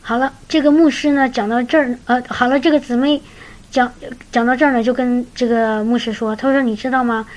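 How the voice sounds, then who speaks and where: A woman's voice: on the high side, fairly even intonation, brisk, low-quality recording. A woman preaching, telling a faith story in an earnest way and often repeating words as she goes. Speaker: preacher sharing a testimony. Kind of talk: sermon-style storytelling.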